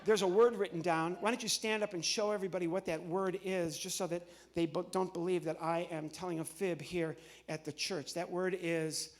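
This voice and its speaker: A middle-aged American man from the Midwest doing live comedy patter on stage, chatty and halting, often interrupting himself. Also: high voice, steady tone. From Midwestern United States. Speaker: comedian and entertainer. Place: on stage in a large church hall.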